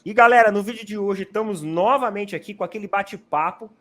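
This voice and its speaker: A man's voice: high-pitched, a little fast, fairly bright tone. Chatty São man hosting. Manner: chatty, explains at length with many "né" fillers. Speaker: channel host, Palmeiras fan. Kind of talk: casual football chat.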